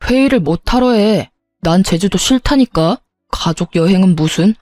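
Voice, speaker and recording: A woman voicing an angry middle-aged husband and father who shouts curtly and bullies his family, with faint music behind. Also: medium pitch, animated, moderate pace, dry recording, natural voice. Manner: shouting, curt and bullying.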